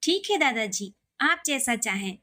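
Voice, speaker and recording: A woman's voice: fairly high pitch, very animated, a little slow, pushed and bright, heavily acted. A woman reading the part of a playful, boyish young husband who sulks a little. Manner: sulky, boyish.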